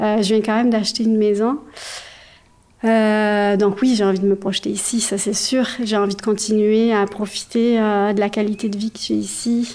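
Her pitch is fairly high, and she keeps a moderate pace. The woman's intonation stays monotone and flat. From Provence, France. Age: 30s. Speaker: regional youth settlement advisor. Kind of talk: interview.

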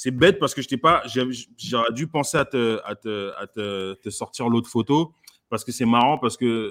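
A man with an ordinary speaking voice talks at medium pitch and a moderate pace with ordinary pitch variation. The recording is very clean, with a silent background and a dry, close sound with no echo. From France, Paris suburbs. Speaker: comedian. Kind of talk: casual chat.

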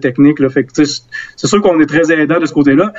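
This man has an ordinary speaking voice with a fairly high pitch. He talks at a fairly quick pace with ordinary pitch variation. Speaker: city councillor and festival co-founder. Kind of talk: casual interview.

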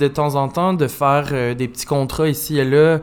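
With a plain, everyday voice, a man speaks at a fairly slow pace and a fairly high pitch. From Magdalen Islands, Quebec. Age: 20s. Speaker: musician. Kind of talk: casual chat.

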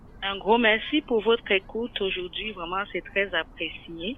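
Very slowly, a woman speaks. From Cameroon. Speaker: community social worker. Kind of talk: personal testimony. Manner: halting.

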